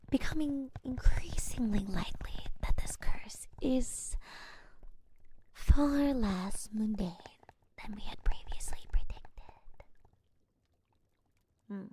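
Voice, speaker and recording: A calm, scholarly witch , acted out by a woman, speaks in a soft, breathy whisper. Her tone is mellow and her pace extremely slow, with thoughtful pauses between phrases. It is an intimate ASMR roleplay style, curious and measured. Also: mid-range voice.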